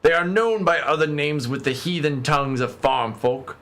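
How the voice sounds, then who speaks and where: Fierce tribal spear hunter played by a man, bright forceful voice, taunting, hammy amateur delivery for a fantasy game. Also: a little high, moderate pace, natural voice. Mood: threatening. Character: menacing fierce tribal hunter guarding ruins, grinning with spear.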